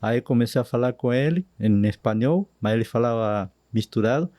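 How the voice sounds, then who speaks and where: Speaking Portuguese on a podcast with an Argentine accent, a missionary guest from Argentina, a native Spanish speaker, recounts his story slowly and with animation, drifting into Spanish words now and then. His voice is medium-pitched and the audio is studio quality with no room sound.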